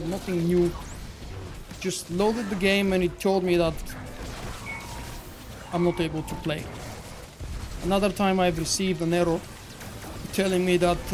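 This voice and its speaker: Bulgarian-accented man, slightly high voice, relaxed rambling stream chatter, faint noise behind. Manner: relaxed, rambling, answers chat between fights. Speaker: game streamer. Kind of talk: live gameplay commentary, chatting with viewers.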